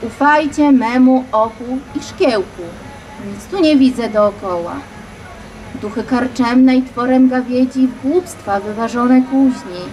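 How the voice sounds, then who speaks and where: A woman's voice: on the high side, a little slow, darkish tone, faint music behind, close to an everyday voice, poor audio. A woman reciting poetry and voicing a stern, skeptical old man who lectures the crowd dismissively. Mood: scornful.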